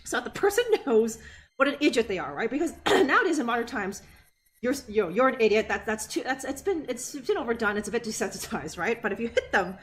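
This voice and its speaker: A woman's voice: on the high side, sing-song, brisk, fairly bright tone. A woman streamer giving casual gameplay commentary, giggly and rambling.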